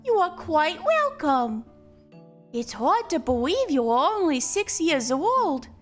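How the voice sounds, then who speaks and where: A haunted, guilt-ridden mother, as a woman plays her, her high voice slow and measured as she broods. Faint music plays behind her. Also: big pitch swings, exaggerated voice. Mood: gentle. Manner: anxious, brooding inner monologue. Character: frightened, guilt-ridden mother of a strange child.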